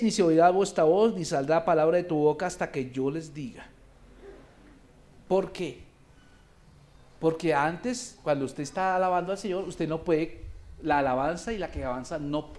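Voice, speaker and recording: A male pastor preaching a sermon, asking his congregation questions as he teaches. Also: high-pitched.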